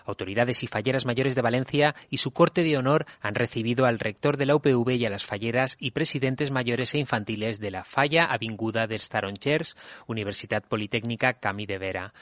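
A man reading news reports for a university radio bulletin in a measured, even delivery. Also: medium pitch, no room sound.

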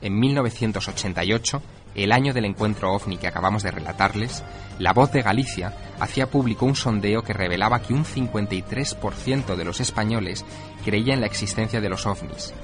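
A man reading scripted documentary narration with measured, dramatic emphasis. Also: fairly low pitch. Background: music.

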